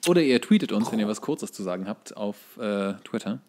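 A man's voice: fairly low pitch, animated, brisk, darkish tone. A man co-hosting a comedy podcast, chatting casually with dry, joking delivery. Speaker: podcast co-host.

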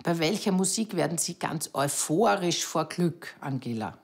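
A woman asking gentle questions as an off-camera interviewer. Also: sits low, animated, moderate pace, breathy edge.

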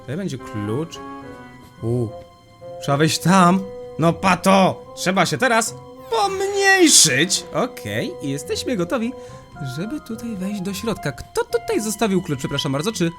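A gaming YouTuber narrates a Minecraft let's play, excitable, slangy and quick to laugh. This young man's voice leaps high and drops low, with game music clearly audible behind him.

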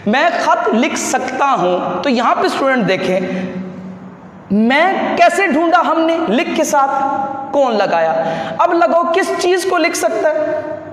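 High-voiced Pakistani male teacher in an echoey room. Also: very animated, slow, fairly bright tone, slight background noise. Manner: explains patiently, often asks the students questions. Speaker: English teacher. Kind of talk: classroom grammar lecture.

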